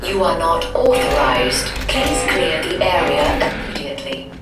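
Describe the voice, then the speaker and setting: A low, commanding female warning voice blares from a sound cannon, repeating its stern order in a flat tone. It rings out echoey and from a distance, half buried under loud game music. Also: unhurried. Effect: blaring loudspeaker warning from a sound cannon. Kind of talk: video game device announcement.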